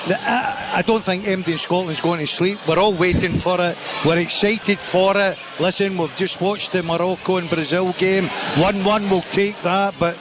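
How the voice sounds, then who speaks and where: Excited Scottish pundit, street noise behind. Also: male voice, high voice, moderate pace, hardly any pauses. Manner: excited, enthusiastic. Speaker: football pundit. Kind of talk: casual pundit chat on live radio. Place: outdoor city venue. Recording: live outdoors with street and traffic noise.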